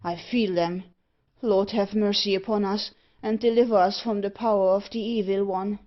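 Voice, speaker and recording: A woman voicing a fearful, complaining iron merchant, a man who laments in drawn-out exclamations. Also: mid-range voice, fairly even intonation, natural voice. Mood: frightened. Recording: dull, lo-fi audio.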